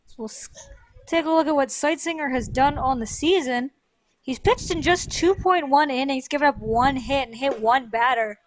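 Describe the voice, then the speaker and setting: A woman's voice: high-pitched, moderate pace, dry recording, poor audio. A woman giving conversational analysis as a co-commentator on a live baseball game. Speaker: sports co-commentator.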